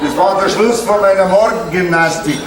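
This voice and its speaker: An older man with a Bavarian accent playing a grumpy, sharp-tongued farmhouse grandfather in a folk theatre comedy. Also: high-pitched, moderate pace, a crowd in the background, close to an everyday voice. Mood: grumpy, teasing. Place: theatre stage before an audience. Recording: distant echoey stage with noisy background.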